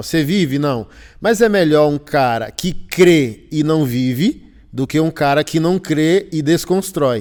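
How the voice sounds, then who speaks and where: Using an unremarkable speaking voice, a man with a fairly high pitch and ordinary pitch variation speaks at a fairly slow pace in a very clean recording with a silent background. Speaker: pastor and podcast host. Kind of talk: podcast conversation.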